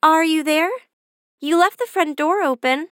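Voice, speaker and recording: Little Red Riding Hood, a woman doing a bright young girl. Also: high-pitched, a little slow, dry recording, clean studio sound, pitched above the performer's own voice. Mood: uncertain. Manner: bright, innocent.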